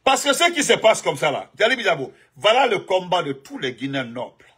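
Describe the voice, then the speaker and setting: Husky, forceful man ranting live. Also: high voice, sing-song, a little fast. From Guinea. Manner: emphatic, repetitive, jumps between topics and greetings. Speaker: live-stream political commentator. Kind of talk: rambling live commentary greeting viewers.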